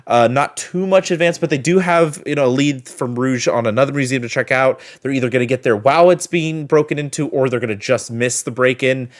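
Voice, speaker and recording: A man hosts a reaction video, offering casual commentary and review in a chatty, expressive manner with a mid-range voice.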